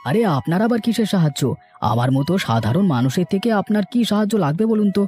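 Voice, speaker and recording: Cartoon humble villager male actor: grumbling, very varied pitch, soft dark tone, faint music. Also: sing-song, fast talker. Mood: wary, deferential. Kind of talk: Bengali cartoon story dialogue.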